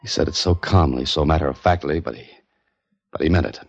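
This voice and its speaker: Deep, dry-witted 1940s detective narrating, lo-fi radio sound. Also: male voice, brisk, vocal fry, heavily acted. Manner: dry, wry, hard-boiled narration. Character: wisecracking male detective narrator. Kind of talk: 1940s radio drama acting. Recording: dull lo-fi old radio with faint music.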